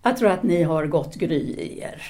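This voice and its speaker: A woman's voice: low voice, expressive, darkish tone. An actress playing a self-assured, independent-minded French woman teacher in a 1930s audio drama, speaking formally and didactically. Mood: encouraging. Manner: formal, articulate, didactic, with hesitant pauses.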